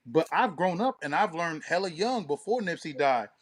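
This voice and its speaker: Slightly high-voiced man in slangy casual talk. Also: expressive, normal speed. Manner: slangy, profane, emphatic street talk. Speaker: radio show co-host. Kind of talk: casual opinionated chat.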